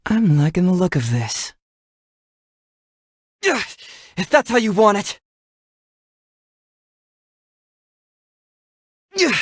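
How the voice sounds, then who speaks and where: A cocky playful young detective from a video game, really bouncy pitch, super dry close sound. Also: male voice, no echo, full character voice. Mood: smug, confident, then strained, defeated. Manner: breezy, playful, self-assured, theatrical phrasing. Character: cheeky, confident young male detective with cyclone-powered combat. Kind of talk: scripted game character voice lines.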